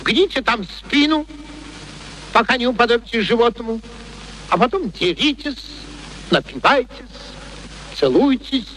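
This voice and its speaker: An actor playing an arrogant, cutting scholar in a radio play, declaiming and arguing with scorn. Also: male voice, very high voice, expressive, measured pace, long pauses, fairly bright tone, exaggerated voice, low-quality recording. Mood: scornful. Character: arrogant, self-absorbed male scholar, cutting and exasperated. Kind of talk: Soviet radio play acting. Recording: old radio play recording, faint noise.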